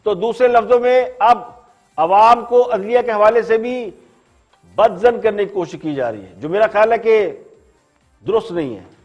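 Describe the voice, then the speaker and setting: A man with a Pakistani Urdu accent, hosting a TV show and delivering a measured, explanatory commentary monologue. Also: high voice, lively intonation, dull audio, faint music behind. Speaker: host.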